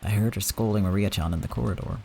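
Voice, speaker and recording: A man voicing a polite, soft-spoken middle-aged husband in a visual novel reading. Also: on the low side, quick pace, vocal fry, slight background noise. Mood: concerned.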